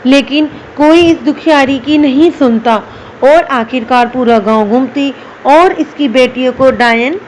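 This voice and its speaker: A woman narrating a children's fairy tale in an expressive, dramatic storytelling manner. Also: high voice, slight background noise, low-quality recording.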